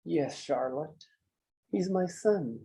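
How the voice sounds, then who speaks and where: A man acting a menacing mine boss in a drama table read, speaking in measured, condescending threats. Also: on the high side, lively intonation, creaky, mellow, full character voice. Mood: smug, cruel. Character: menacing, controlling male mine boss, coolly cruel.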